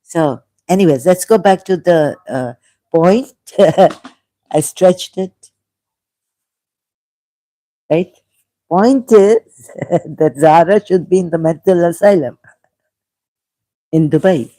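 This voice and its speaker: A non-native English speaker hosting a solo video, rambling casually in a halting, giggly, digressive way and reading out bits of anecdote. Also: medium pitch, mellow, poor audio. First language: not English.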